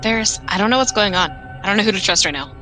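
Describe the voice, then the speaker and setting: A woman's voice: mid-range voice, lively intonation, fast talker, poor audio. A woman playing a tabletop roleplaying game, casually switching between in-character questions and describing her actions. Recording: loud music bed behind the voice. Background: music.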